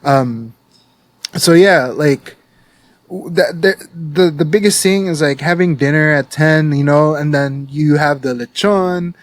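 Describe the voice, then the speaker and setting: A man from the Philippines chatting on a podcast in a slightly high voice. He rambles easily, leaning on "like" and "you know". The sound is dry and close to the mic. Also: unhurried, no echo. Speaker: podcast co-host. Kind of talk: casual podcast chat.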